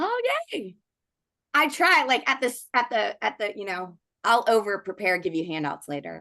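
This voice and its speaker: A woman with a fairly high pitch and a bright, sharp tone speaks at a moderate pace, her pitch swinging very widely between long, frequent pauses. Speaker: presenter. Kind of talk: lecture. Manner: halting with frequent fillers.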